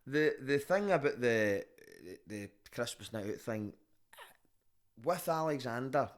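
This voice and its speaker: A man's voice: medium pitch, lively intonation, unhurried. A man with a Glaswegian street Scottish accent, chatting casually and telling stories in a candid, sweary, conversational way. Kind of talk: casual podcast chat and storytelling.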